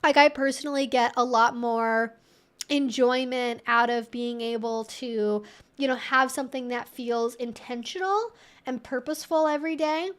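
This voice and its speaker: A woman with a high voice hosts a live question-and-answer stream. She talks in a casual, explanatory way, sprinkling in "like" and "you know" as she works through her points. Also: moderate pace, a bit bright. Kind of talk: casual educational livestream talk.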